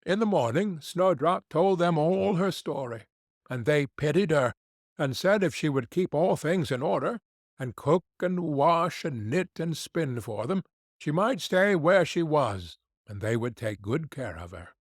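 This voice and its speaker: Slow, expressive male storyteller. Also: a little high, dry recording, studio quality. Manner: measured storytelling. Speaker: audiobook narrator. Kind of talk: scripted fairy-tale narration.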